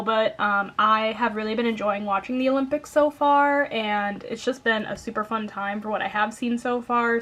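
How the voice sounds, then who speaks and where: A young woman with a Midwestern American accent talks to her desk camera in a light, slightly high voice. She chats along upbeat and unscripted, sprinkling in "um" and "like" as she goes. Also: a bit bright. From Wisconsin, United States. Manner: chatty and upbeat, lots of "um" and "like". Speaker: coloring YouTuber. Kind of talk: casual chat to camera.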